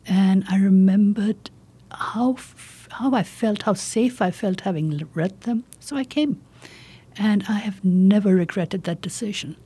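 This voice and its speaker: A woman in her fifties with a slight South Asian accent, answering as a political candidate in an interview, earnest and deliberate in short phrases. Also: mid-range voice, dark tone, husky. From India and Pakistan. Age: 50s.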